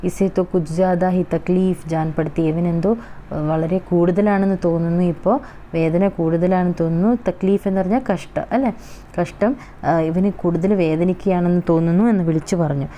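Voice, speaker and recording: A woman with a Malayali accent explains a Hindi lesson for schoolchildren, reading each line slowly and then explaining it. Her voice sits low and mellow. Faint ambient noise runs under the recording. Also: steady tone. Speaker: Hindi teacher.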